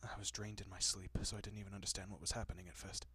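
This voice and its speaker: A man plays a courteous vampire gentleman in an intimate audio roleplay. His voice is low and husky, slipping often into whispers, captured very dry. He soothes and reassures with polite, old-fashioned tenderness and a quietly possessive air. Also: level tone, rapid-fire, no echo, exaggerated voice. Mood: soothing, earnest. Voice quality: soft, breathy, often dropping to a whisper.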